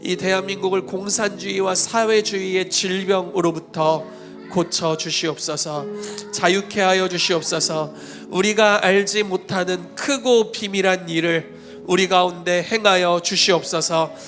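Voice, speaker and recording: A man's voice: high voice, fairly even intonation, a little slow. A man leading fervent congregational prayer as pastor, praying aloud with passion and at times breaking into tongues. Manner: loud impassioned praying, speaking in tongues. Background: guitar music.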